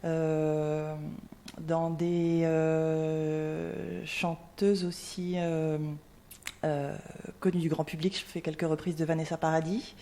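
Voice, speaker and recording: A woman's voice: low voice, level tone, takes it slowly, mellow. A woman from Paris, a singer-songwriter, answering questions hesitantly in a radio interview, with many fillers. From Paris, France. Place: radio studio.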